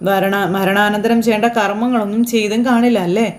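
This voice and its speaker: A woman's voice: mid-range voice, level tone, fairly quick, lightly acted. A woman voicing a worried older aunt who frets over an orphaned girl, in quoted serial dialogue. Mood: fretful.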